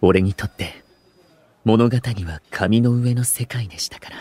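An actor playing a courteous, bookish young food streamer in an audio drama, speaking in formal, literary, gentlemanly phrases. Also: male voice, fairly low pitch, a little slow, slightly rough, no echo. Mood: humble earnest. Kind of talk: Japanese audio drama acting.

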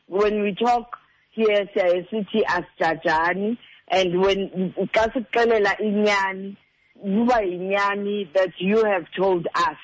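High-pitched South African Xhosa-accented man, emphatic. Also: no room sound, lo-fi sound. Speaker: relationship counsellor. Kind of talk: earnest advice, mixing in two languages.

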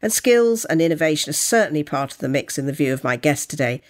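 A woman hosts an interview podcast, speaking articulately through prepared introductions and questions. Her voice sits on the low side for a woman. Her intonation is lively and moves a lot. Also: quick pace. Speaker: podcast host.

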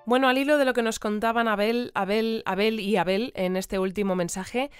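A woman's voice: on the high side, fairly even intonation, moderate pace, over music, lightly acted. A woman with a Spain accent playing a composed, courteous radio presenter hosting a bulletin and interview in an audio drama. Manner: orderly, courteous. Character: composed female community radio news presenter.

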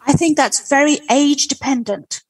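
A woman's voice: high-pitched, moderate pace, dry recording, rough recording. A middle-aged woman from Russia, a native Russian speaker with near-native English, answering a local radio interview in a thoughtful way with frequent ums.

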